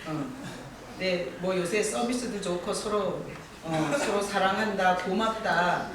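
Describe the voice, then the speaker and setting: A pastor delivering a sermon from the pulpit in a middle-pitched voice, telling stories with gentle humor and calling on people in the pews by name. The voice rings through a very echoey church hall and sounds somewhat distant from the mic. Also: takes it slowly, background noise. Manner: warm storytelling with gentle humor; addresses congregation members by name.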